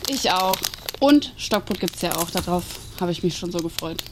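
A woman's voice: on the low side, animated, normal speed. A woman performing colloquial, scripted dialogue in an audio play. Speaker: podcast host acting in a short audio play. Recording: noisy binaural campfire scene.

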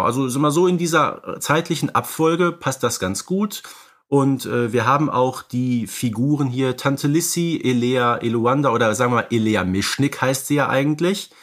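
A man's voice: mid-range voice, a bit bright. A man co-hosting a podcast in a studio, discussing films casually and dropping in tag questions that seek agreement. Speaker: podcast host.

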